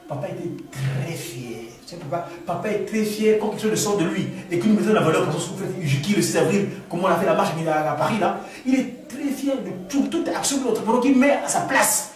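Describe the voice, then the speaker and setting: Man from the Congo, animated, restarts a lot; high-pitched, recorded from afar. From Republic of the Congo. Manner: animated, repeats words and restarts, rising to exclamations. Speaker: speaker answering questions at a gathering. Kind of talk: spontaneous talk to an audience. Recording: echoey room, far from the mic.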